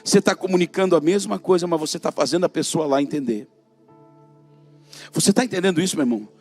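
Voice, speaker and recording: A Brazilian man preaching a sermon, swinging from loud calls to the congregation to hushed asides. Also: a little high, fast talker, soft background music. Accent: Brazilian Portuguese. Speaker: prophet preacher.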